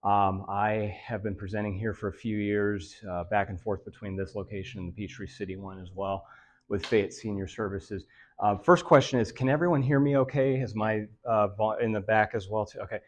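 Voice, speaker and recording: Guy giving a talk at a senior center, low raspy nasal voice, kinda monotone, lots of uhs. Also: normal speed, slight background noise. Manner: monotone, with frequent "uh" fillers. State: dry voice from allergies. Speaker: presenter of a health lecture. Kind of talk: live lecture to a senior audience. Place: meeting room at a senior services center.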